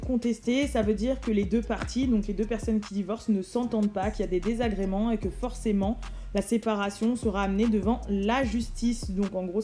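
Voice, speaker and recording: Woman explaining calmly, mellow mid-pitched voice, casual vlog.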